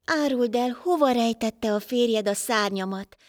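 A woman's voice: on the high side, no room sound, clean studio sound, natural voice. A woman voicing a stranded winged wanderer who pleads for lost wings in a folk tale. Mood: pleading. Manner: pleading, insistent.

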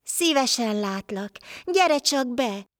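A woman's voice: on the high side, no room sound, studio quality, lightly acted. A woman voicing a swollen sick man in a folk tale, earnest and welcoming.

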